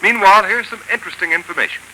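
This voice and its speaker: A man announcing and reading an advertisement on a 1930s radio show in a brisk, persuasive manner. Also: high voice, bright, forceful tone, low-quality recording. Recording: hissy old 1930s radio broadcast.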